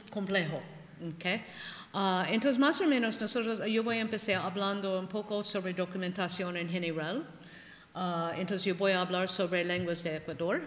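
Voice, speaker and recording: An older woman, a native English speaker and linguist, gives an academic conference talk in halting speech, often saying "ah" and "ok" and gesturing widely. Her voice is on the low side. The large, ornate hall is echoey with long reverb.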